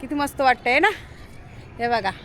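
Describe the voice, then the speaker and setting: A woman vlogger, talking to her dog and her viewers in a loud, affectionate, scolding way. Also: sits high, moderate pace. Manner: scolding, affectionate, calls out loudly. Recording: busy crowd noise behind.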